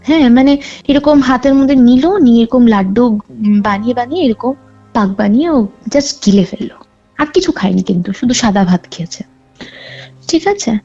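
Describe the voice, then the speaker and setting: A woman's voice: fairly high pitch, animated, moderate pace, long pauses, warm tone. A woman telling a true ghost story as a caller, rambling with many fillers and restarts. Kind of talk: casual storytelling over a phone call. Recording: dull lo-fi call recording with faint music.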